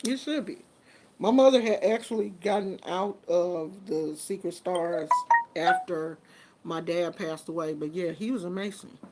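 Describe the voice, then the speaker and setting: A woman's voice: lowish voice, a little hiss or hum. Chatty woman in her fifties. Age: 50s. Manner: chatty and informal, with colloquial phrasing. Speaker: host. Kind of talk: casual live chat with viewers.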